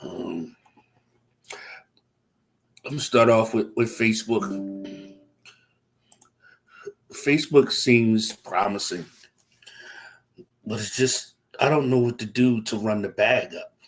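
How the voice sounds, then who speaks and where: A man's voice: fairly low pitch, takes it slowly, long pauses, poor audio. A young man hosts a laid-back livestream, his voice stuffy and congested from a cold. He talks in a loose, rambling way, looping back on himself with ums and restarts. It sounds like a computer or phone mic. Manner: rambling, relaxed, frequent fillers and restarts. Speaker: livestream host. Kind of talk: casual livestream chat.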